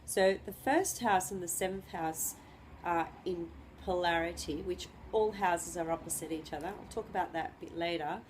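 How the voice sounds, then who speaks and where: A woman astrologer with the flu giving an unscripted lesson, clearing her throat and pausing often with ums and restarts. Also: lowish voice, a little hiss or hum, rough recording. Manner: hesitant, many ums and restarts.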